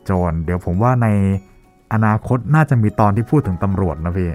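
A man chats politely as a co-host in a low voice. He talks through a face mask, and faint music plays behind him. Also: animated, fairly quick, a little mellow. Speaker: podcast co-host. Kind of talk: casual chat, polite and agreeable.

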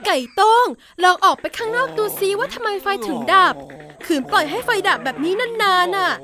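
A woman doing a very high, bossy know-it-all. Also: expressive, moderate pace, crowd noise. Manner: scolding, bossy.

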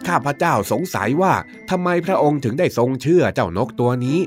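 A man voicing a scheming royal minister in a children's story, slow and fawning, raised in pitch. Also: expressive, lightly acted. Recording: music bed behind.

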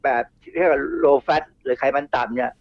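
A man's voice: mid-range voice, fairly even intonation, a little fast, no room sound. A middle-aged man, a toxicologist guest on a radio show, explaining in a chatty way with asides and repeats. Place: radio studio. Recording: dull radio studio sound.

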